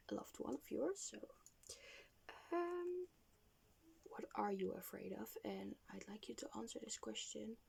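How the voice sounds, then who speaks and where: Female ASMR therapist role: breathy whisper, heavy vocal fry, soothing hesitant questioning, faint background noise. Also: mid-range voice, a little mellow. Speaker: ASMR roleplayer playing a therapist.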